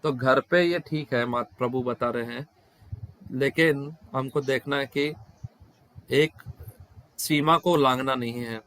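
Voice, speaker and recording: A man speaking over an online video call, interpreting questions and answers at a devotional scripture class. His voice sits at an ordinary middle pitch. He often stops mid-word and starts the phrase again. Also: takes it slowly, pauses often, fairly bright tone.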